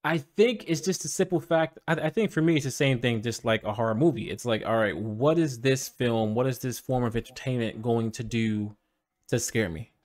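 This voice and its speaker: A man's voice: medium pitch, normal speed. A man hosting a casual podcast chat, easygoing and agreeable, laughing often as he goes along with his co-host.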